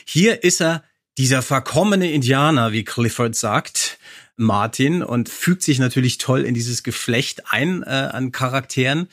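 A man's voice: mid-range voice, fairly bright tone, no room sound, clean studio sound. A man co-hosting a podcast in a casual, conversational style. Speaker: podcast co-host. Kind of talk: casual chat.

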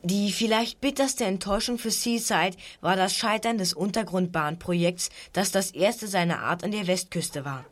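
A man's voice: sits high, moderate pace, hardly any pauses. Boy researcher, audio drama, studious, earnest, reading aloud, youthful voice. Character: studious boy detective presenting his research.

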